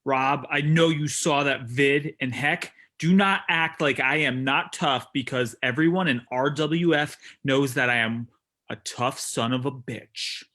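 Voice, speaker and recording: Man as a bright, cocky wrestling prince. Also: medium pitch, measured pace. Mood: defiant. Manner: taunting, defiant. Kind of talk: theatrical wrestling promo.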